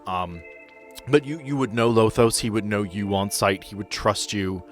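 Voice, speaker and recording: Deep-voiced man running a tabletop game. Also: moderate pace, faint music behind. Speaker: game master. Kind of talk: improvised tabletop game narration.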